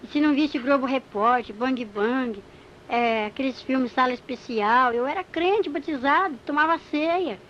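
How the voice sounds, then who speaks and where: A woman giving an emotional church testimony, telling her story in an animated way and acting out the dialogue. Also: sits high, measured pace. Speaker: testimony speaker. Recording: muffled recording with faint hiss.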